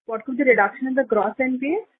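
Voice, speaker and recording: A woman with an Indian accent asking questions as an analyst on a conference call, halting and repeating herself as she probes. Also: high voice, husky. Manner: halting, repetitive, probing. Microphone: telephone conference call. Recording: tinny narrow phone line.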